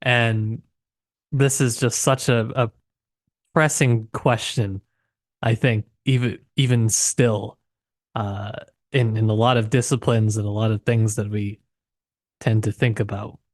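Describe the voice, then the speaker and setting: A man co-hosting a podcast, talking through literature casually in a reflective, halting way. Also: on the low side, steady tone, no room sound, clean studio sound. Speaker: podcast co-host.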